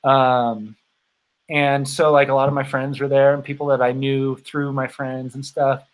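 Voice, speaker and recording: A man in his thirties chatting casually as host of a livestream, halting and rambling, his voice tired from long talking. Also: mid-range voice, level tone, poor audio. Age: 30s. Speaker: host of a bicycle touring channel.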